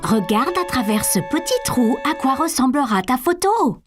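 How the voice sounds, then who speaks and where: A woman playing a patient young mother in a dubbed cartoon, speaking gently and encouragingly. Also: high voice, animated, normal speed. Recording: cartoon soundtrack with music beneath.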